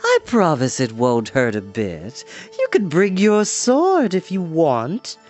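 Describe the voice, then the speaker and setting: Reader doing a giddy little enchantress, all sing-song and cheery, pitch bouncing everywhere, faint music under it. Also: huge pitch swings, takes it slowly, a little mellow. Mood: cheerily menacing. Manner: chirpy, indulgent, sing-song. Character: cheerful, scatterbrained, plump female enchantress. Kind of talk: audiobook reading.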